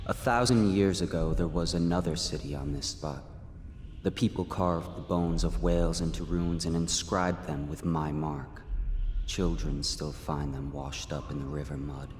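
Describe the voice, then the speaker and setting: An actor playing an aloof, enigmatic supernatural being, speaking in a detached, cryptic monologue for a video game. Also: male voice, a bass voice, fairly even intonation, moderate pace, a little mellow. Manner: detached, cryptic, faintly disdainful. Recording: long echoing reverb, music behind.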